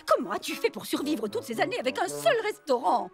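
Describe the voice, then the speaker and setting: A woman's voice: high-pitched, big pitch swings, fairly quick. A woman voicing a snobbish, haughty cartoon fashion TV producer, speaking in an affected, disdainful, theatrical way. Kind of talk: French cartoon dub acting. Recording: loud music behind the voice.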